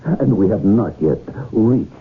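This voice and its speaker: An actor playing a suave, coldly polite foreign kidnapper in a radio drama, heard over an AM radio broadcast. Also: male voice, lowish voice, lively intonation, a little slow. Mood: coolly menacing. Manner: smooth, mocking, coldly polite. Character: suave menacing male foreign kidnapper boss. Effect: AM radio sound. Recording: tinny AM radio broadcast, faint hiss.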